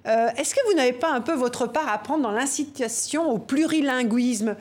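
A woman's voice: high voice, moderate pace. A woman TV interviewer asking long news-interview questions full of fillers.

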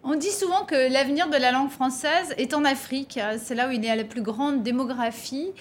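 A woman's voice: high voice, brisk, a little hiss or hum. A woman hosting a television interview, asking questions with frequent hesitations and fillers. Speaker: TV interviewer and host.

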